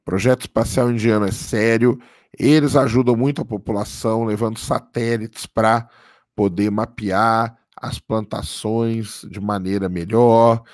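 Hoarse man hosting a livestream. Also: fairly low pitch, darkish tone, no room sound, clean studio sound. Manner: casual, keeps adding "tá?" for confirmation. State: hoarse from a cold. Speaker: livestream host. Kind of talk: live commentary reading viewer chat.

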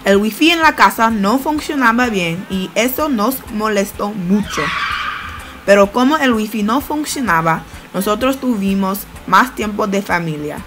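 Young woman, careful learner's narration, mid-pitched voice, faint music underneath. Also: animated, a little slow, a bit bright. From United States. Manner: plain, careful learner's delivery. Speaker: student narrating a study-abroad video. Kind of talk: read-aloud voice-over narration.

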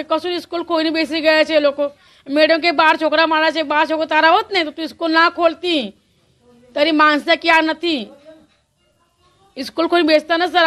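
A grieving aunt speaking in a choked, angry, rapid outburst. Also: female voice, sits high, fairly bright tone.

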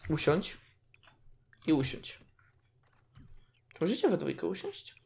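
Her voice is on the low side but expressive, and she keeps a measured pace. She's a gaming video host commenting casually on her game, chatting to the characters, reacting as she goes, and squealing when something cute happens.

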